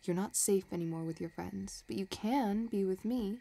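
Woman acting a mellow, possessive villainess. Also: mid-range voice, moderate pace, vocal fry. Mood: intimate, possessive. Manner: teasing, soft, calculating. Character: possessive, scheming female villain obsessed with her crush. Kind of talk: romantic audio roleplay acting.

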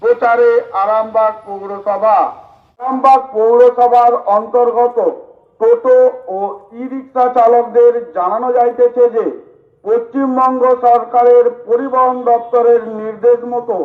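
A man's voice: very high voice, level tone, measured pace, faint music behind. A man reading a formal scripted public announcement in a PA system manner. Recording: echoey, slightly muffled PA recording.

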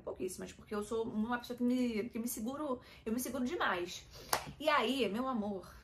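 A young adult woman with a Brazilian Portuguese accent shares candid, emotional thoughts with her viewers in a personal vlog. Her voice is mid-range and fairly bright, and she confides in her audience, calling them "gente".

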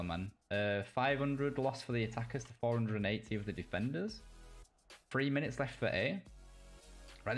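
A young British man casting a live video game match, reacting quickly and cracking jokes between calls. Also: mid-range voice. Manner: quick reactive play-by-play, jokey asides. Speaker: caster. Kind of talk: live esports play-by-play commentary.

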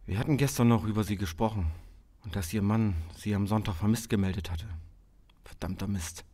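A man's voice: lowish voice, fairly quick, dark tone, close to an everyday voice. A man acting a distraught, agitated father. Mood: shaken, worried. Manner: agitated, worried. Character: distraught, angry father of a missing daughter. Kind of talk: German audio drama acting.

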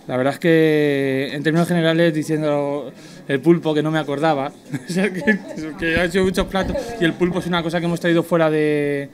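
A man in his thirties, a chef being interviewed in a restaurant dining room, talking in a halting way with restarts, into a handheld mic. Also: on the high side, fairly even intonation. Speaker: guest chef. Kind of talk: casual interview.

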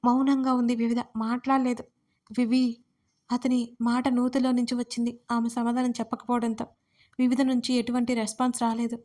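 A woman narrating a romantic audio story with a steady, even reading. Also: on the high side, a little fast.

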